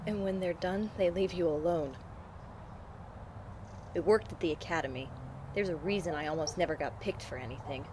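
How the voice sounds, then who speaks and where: A woman's voice: fairly low pitch, moderate pace, long pauses, natural voice. A woman acting a timid, anxious young woman in an audio drama, hesitant and meek. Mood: meek, guarded. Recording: faint outdoor ambience noise.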